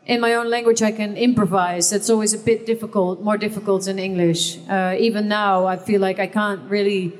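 A woman's voice: mid-range voice, fairly even intonation, brisk, hardly any pauses. A woman from the Netherlands with a Dutch accent, speaking English as a second language as a guest on a live panel, hesitant and searching for words. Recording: hall reverb.

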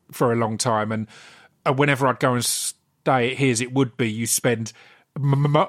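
A man from Essex in England who hosts a casual interview. He speaks eagerly and often stumbles over his words. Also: medium pitch. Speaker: podcast host.

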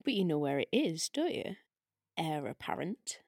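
A woman playing a taunting disembodied spirit in an audio drama table read, with a drawn-out, needling delivery. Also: deep voice, very animated, gravelly, a little mellow, breathy edge, dry recording, studio quality, heavily acted. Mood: coolly persuasive. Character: taunting disembodied arcane spirit, silky and provoking.

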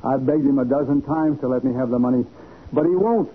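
An actor playing an anxious, evasive gentleman in debt, hesitant and pleading, in 1940s radio style. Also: mid-range voice, fairly quick, close to an everyday voice. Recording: muffled, hissy 1940s radio recording.

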